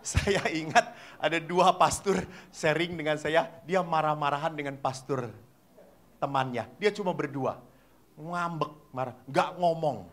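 A middle-aged Catholic priest, giving an animated sermon that acts out voices and quizzes the congregation. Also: male voice, fairly high pitch, unhurried. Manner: animated storyteller acting out voices and asking the audience questions. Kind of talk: lively sermon to a live congregation.

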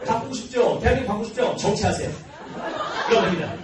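A man's voice: high-pitched, animated, fast talker, music in the background, crowd noise. A man in his early forties, a cram school teacher, answering students' questions informally in a playful but earnest manner. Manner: playful, joking, earnest, often laughing. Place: large classroom with students. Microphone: handheld microphone, filmed by tripod camera at back. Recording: roomy classroom, distant mic, noisy.

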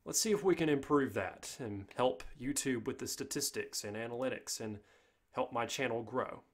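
A man narrating a software tutorial in an informal, step-by-step way. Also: medium pitch, normal speed. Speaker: tutorial host.

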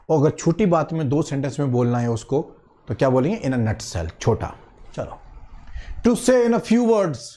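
A man with an Indian accent teaching English idioms in an online exam-prep lecture, switching between Hindi and English, repeating phrases slowly and asking students if they understood. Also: on the high side, warm tone. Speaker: English teacher for bank exams.

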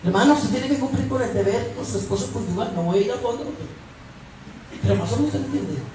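A woman preacher delivering an emphatic, humorous sermon, swinging between hushed asides and shouts. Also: a little high, animated, quick pace. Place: church with congregation. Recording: echoey hall, distant mic. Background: congregation laughter and noise.

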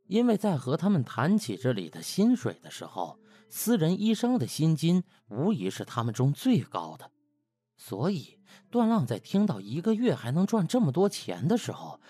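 A man's voice: medium pitch, mellow, slightly rough. A man narrating a comic audiobook in a colloquial, theatrical storytelling manner. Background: music.

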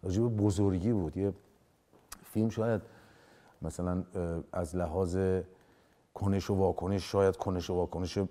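Low and dark, with fairly even intonation and long pauses, the voice belongs to an actor in his forties being interviewed on a dark TV studio set via lapel mic. Animated and emphatic, he gestures as he argues and acts out quoted lines.

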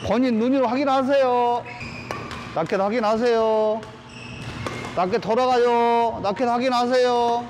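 Man barking harsh coaching commands, high-pitched. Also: steady tone, measured pace. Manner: harsh barked commands, short and repeated; loud and urgent while drilling. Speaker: badminton coach. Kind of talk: drill instruction. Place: large indoor badminton gym. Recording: noisy echoing sports hall.

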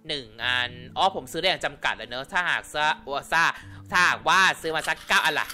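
A man hosting a gaming channel, giving chatty let's-play commentary and thinking out loud. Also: on the high side, animated, quick pace, faint music behind. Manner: chatty, giggly, thinking aloud.

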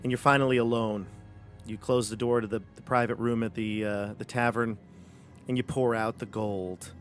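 A man's voice: mid-range voice, fairly even intonation, moderate pace, soft background music. Easygoing male game master, headset mic. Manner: rambling, easygoing, many fillers. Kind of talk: narrating a tabletop game live. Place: home room, video call.

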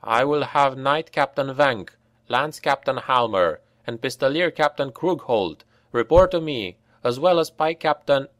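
Man doing an infantry captain, calm, clear, roll-call orders. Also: medium pitch, unhurried, no room sound, voice pushed up, lightly acted.

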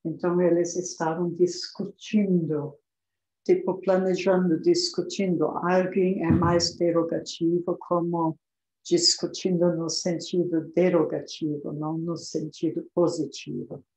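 Slow, low-voiced woman teaching English. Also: flat delivery, a little mellow, roomy sound, poor audio. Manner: repeats English phrases slowly between Portuguese explanations. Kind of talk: language lesson.

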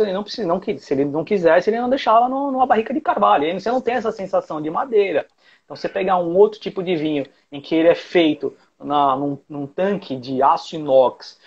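A man's voice: high-pitched, slightly rough, highs cut off. A man in his forties with a Brazilian Portuguese accent, patiently explaining wine as a guest on a video call from his living room. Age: 40s. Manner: explains patiently, many fillers. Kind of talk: explanatory interview answers. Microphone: earphone mic on video call.

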